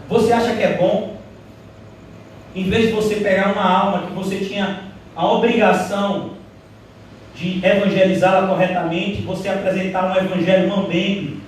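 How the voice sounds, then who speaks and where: A man preaching a sermon as pastor, animated, mimicking the voices of doubters, recorded in a church hall from a distance. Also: high voice, a little hiss or hum. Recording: echoey hall, heard from a distance.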